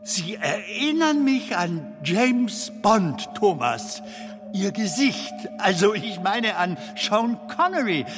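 An actor playing a gentle, wistful film comedian in a radio drama, speaking in halting, hushed, wondering phrases. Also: male voice, high voice, big pitch swings, faint music behind, full character voice. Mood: gently amused. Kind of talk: radio drama acting in German.

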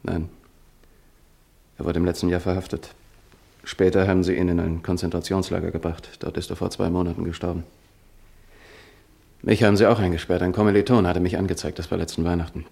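Gravelly, wounded young fugitive. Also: male voice, low voice, flat delivery, a little fast, pauses often, darkish tone. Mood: subdued. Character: wounded young student fugitive from a camp, anguished, pleading. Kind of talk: German radio play acting.

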